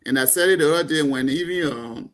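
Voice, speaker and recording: Man, Liberian accent, panel guest, slightly high pitch, impassioned, emphatic. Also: fast, a bit bright. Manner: impassioned, emphatic, stumbling restarts. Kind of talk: heated political talk show discussion.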